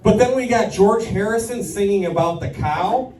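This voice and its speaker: A man's voice: high voice, moderate pace, darkish tone, a little hiss or hum. A man doing stand-up comedy in front of an audience, rambling through sardonic complaints. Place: live stand-up performance in an echoey room. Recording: echoey room, distant mic.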